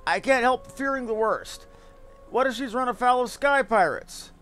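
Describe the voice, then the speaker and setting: A man voices a fantasy game's airship merchant who frets anxiously over debts and lost cargo. He speaks at normal speed in a high, fairly bright, expressive voice, his florid, dramatic lines full of worry and pleading.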